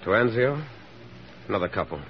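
An actor playing a teasing, affectionate young army lieutenant in a 1940s radio drama, on a dull old radio recording with faint hiss. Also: male voice, fairly low pitch, expressive, brisk. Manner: teasing, gentle.

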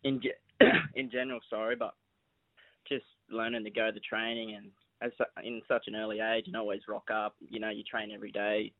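A young Australian man talks casually about his riding life in a relaxed, modest way. His voice comes through a thin, phone-like line. The sound is dry and close. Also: lowish voice, fairly quick, no room sound. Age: young adult. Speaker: apprentice jockey. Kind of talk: casual chat.

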